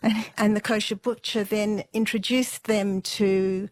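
A middle-aged woman speaks unhurriedly to an interviewer, pausing on fillers and laughing softly now and then. Her voice sits at an ordinary pitch, close to the mic in a dry room with no echo. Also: steady tone. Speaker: interview guest. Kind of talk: relaxed storytelling interview.

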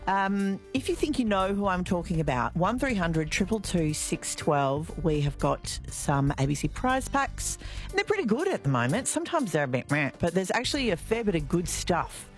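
Lively woman hosting radio. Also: lowish voice, moderate pace, soft background music. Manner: chatty, lively, informal asides. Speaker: radio presenter. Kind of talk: live radio hosting, quiz segment. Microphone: studio microphone.

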